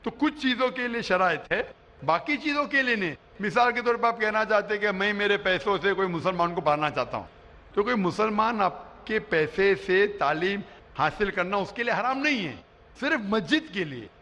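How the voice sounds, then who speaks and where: A middle-aged male preacher with a fairly high, bright, forceful voice explains his points emphatically, again and again checking that the crowd follows him. He speaks into a stand microphone on a big arena stage, and a long hall reverb trails behind his words. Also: animated, normal speed. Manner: emphatic, explanatory, often asks "you understand?". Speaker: Islamic preacher answering audience questions. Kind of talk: public question-and-answer lecture. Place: huge indoor arena stage before a large crowd.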